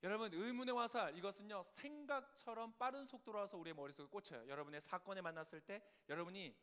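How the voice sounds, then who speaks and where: High-voiced male pastor preaching in a reverberant hall. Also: quick pace. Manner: rhetorical questions, sudden swings between soft and loud. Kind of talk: sermon.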